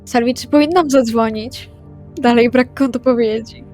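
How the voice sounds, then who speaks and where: A woman's voice: on the high side, steady tone, moderate pace, a little mellow. A woman playing a tabletop role-playing game, improvising lines and narrating in a casual, matter-of-fact way. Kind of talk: improvised in-character chat and narration. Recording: music under the voice. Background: background music.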